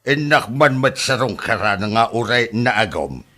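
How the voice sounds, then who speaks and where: A man's voice: mid-range voice, animated, unhurried, pushed and bright. Man playing a grown son with an Ilocano accent, lecturing. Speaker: actor in family comedy drama. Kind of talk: scripted drama acting.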